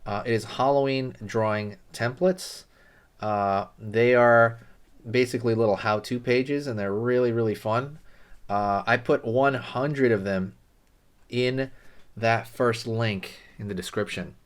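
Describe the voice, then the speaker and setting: A man's voice: medium pitch, measured pace. A man hosting a casual drawing tutorial, talking loosely with lots of fillers and friendly asides while he draws.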